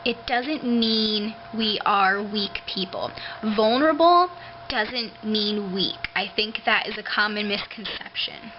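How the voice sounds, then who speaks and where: Woman with hissy lisping s, noisy webcam. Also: medium pitch. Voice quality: lisping, hissy drawn-out s sounds. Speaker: video blogger. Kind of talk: casual monologue to webcam. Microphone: webcam microphone. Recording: noisy dull webcam audio, hissing sibilance.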